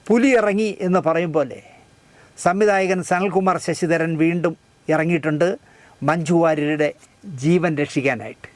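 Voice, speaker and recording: A man's voice: sits high, no echo. A man delivering mocking, scornful commentary on current events, speaking straight to the audience. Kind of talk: satirical commentary.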